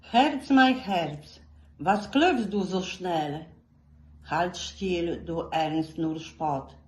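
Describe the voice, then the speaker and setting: A woman from Poland recites poetry in a deliberate, expressive declamatory way. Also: on the low side. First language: Polish. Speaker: poetry reader, fan club representative. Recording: echoey room.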